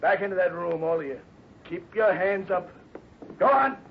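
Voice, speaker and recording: A man's voice: high voice, animated, moderate pace, creaky, dull audio, a little hiss or hum. An actor playing a cocky, threatening outlaw gunman with slangy speech in a 1950s radio western, on an old broadcast recording. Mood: menacing. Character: snarling desperate outlaw gunman, bullying and cocky.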